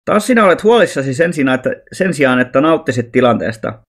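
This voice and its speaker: A man voicing Ami, a calm fearless alien boy. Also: mid-range voice. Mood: serene.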